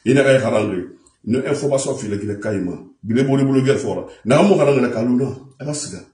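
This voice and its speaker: A man's voice: mid-range voice, a little fast, mellow, roomy sound. A man giving an emphatic monologue to communicators, repeating his points and mixing French with a local language. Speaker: commentator addressing communicators. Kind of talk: impassioned monologue.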